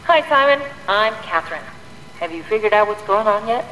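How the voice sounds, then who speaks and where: A woman's voice: medium pitch, expressive, normal speed, bright, forceful tone. An actress playing a composed, inquisitive woman survivor in a video game, talking in a matter-of-fact, questioning way. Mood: calm, curious. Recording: echoey intercom in large hall, faint noise.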